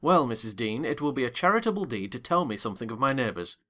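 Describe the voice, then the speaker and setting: A reader voicing a curious formal gentleman. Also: medium pitch, big pitch swings, fast. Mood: inquisitive. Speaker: first-person narrator. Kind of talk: dramatized audiobook reading.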